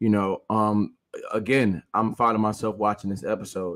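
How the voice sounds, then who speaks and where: A man with a fairly low pitch and a normal speaking voice talks at a fairly quick pace on a very clean recording with a silent background. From US. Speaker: motivational speaker and livestream host. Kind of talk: livestream commentary.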